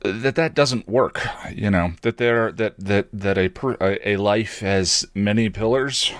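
A man's voice: lowish voice, unhurried, clear, resonant tone, no room sound, studio quality. A man hosting a casual solo podcast, talking in a digressive, self-deprecating way and often correcting himself mid-thought. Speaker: podcast host.

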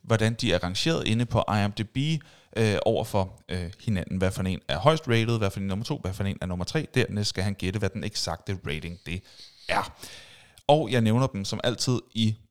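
Man, podcast host, casual storytelling, animated, acts out sound effects. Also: lowish voice, clear, resonant tone.

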